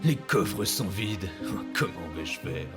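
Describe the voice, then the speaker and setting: A man playing a boastful, luckless pirate captain in an audio drama, with a gravelly voice and a pompous, theatrical delivery. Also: sits low, animated, slow pace, loud music behind the voice. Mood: self-pitying. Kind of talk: French audio drama acting.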